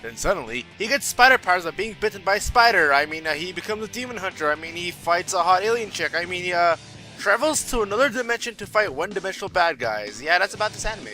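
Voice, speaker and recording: A man's voice: sits high, very animated, fast, sharp tone, faint music behind. A young man narrating a scripted comedic anime review with sarcastic, joking asides.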